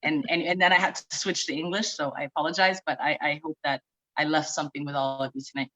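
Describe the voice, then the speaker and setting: A woman's voice: deep voice, fairly even intonation, fairly quick, a bit bright, rough recording. Earnest Somali-born woman on a video panel. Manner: earnest, repeats words while searching for them. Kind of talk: panel discussion remarks. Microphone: video call.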